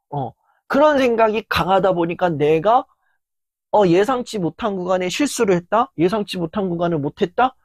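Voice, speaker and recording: An earnest motivational lecturer, voice worn down after hours of filming, speaks steadily at a middling pitch and acts out inner voices in sudden loud bursts. The sound is dry and close.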